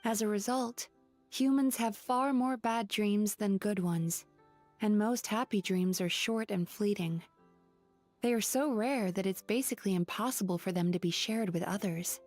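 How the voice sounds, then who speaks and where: Game role, played by an actress: female dream-eater psychologist, gentle, reflective, wistful, mid-range pitch. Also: no echo, faint music behind, close to an everyday voice. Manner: reflective, measured, sighing. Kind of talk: video game character dialogue.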